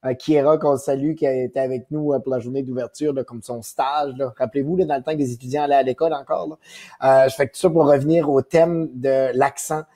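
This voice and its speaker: A man's voice: medium pitch, fairly even intonation, fast talker, mellow. A man hosting a live show, asking long, winding questions and reading out viewer comments. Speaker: host.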